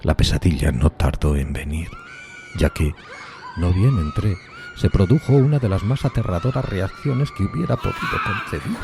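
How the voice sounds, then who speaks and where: A man acts out a lonely undead outcast recounting his horror in a very low voice. He is solemn and theatrical, lingering on weighty words in anguish. Prominent music runs beneath this gothic audiodrama narration. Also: wildly swooping pitch, moderate pace, shouting, exaggerated voice. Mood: horrified, frantic. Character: lonely, horrified undead male outcast telling his tale.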